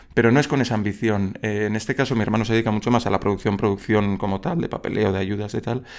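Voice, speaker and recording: Racing at a very fast pace with hardly any pauses, a man speaks at a fairly low pitch with fairly even intonation. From Basque Country, Durango. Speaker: actor. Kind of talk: interview. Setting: film festival.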